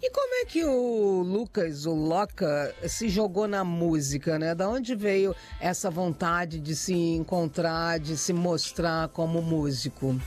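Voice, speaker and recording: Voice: mid-range voice, lively intonation, takes it slowly, few pauses, darkish tone, faint music behind. This is a radio host leading an interview. The voice asks short, easygoing questions and keeps the guest talking. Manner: friendly, brief prompting questions.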